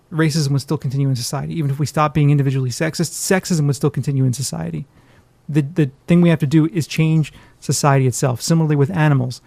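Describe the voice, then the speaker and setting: A man's voice: on the high side, creaky, a little mellow, dry recording. A man co-hosting a podcast, talking casually and emphatically about his opinions. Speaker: podcast co-host.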